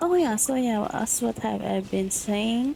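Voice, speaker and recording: A quiet voice at a very slow pace with a Filipino accent, dry and close with no echo, over background music. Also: woman. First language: Tagalog. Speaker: gaming streamer. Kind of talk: game commentary. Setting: home, sisters asleep nearby.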